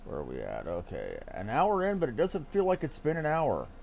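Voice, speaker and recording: A man's voice: medium pitch, huge pitch swings, moderate pace, vocal fry, darkish tone, a little hiss or hum. A man streaming a game with casual, wry and blunt commentary.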